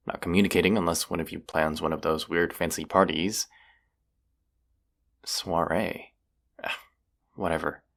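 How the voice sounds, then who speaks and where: Young male vampire hunter, played by a male actor, audio roleplay: very low, gravelly voice, cocky and slangy, sarcastic with a self-mocking edge. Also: exaggerated voice. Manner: teasing, sarcastic, casual slangy delivery.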